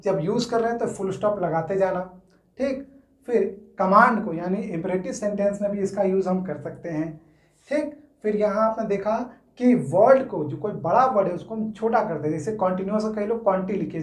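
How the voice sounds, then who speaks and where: A man teaching English grammar in a casual, repetitive way, often stopping to check that listeners follow. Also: sits high. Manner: repetitive, checks in with "theek hai". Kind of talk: casual Hindi-English classroom explanation. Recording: roomy echo.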